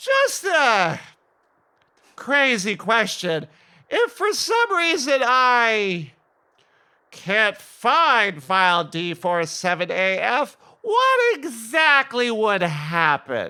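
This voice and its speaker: A put-on character voice in a fairly high pitch moves at a very slow pace through a very clean recording with a silent background. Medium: actual play. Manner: prim, polite, bureaucratic.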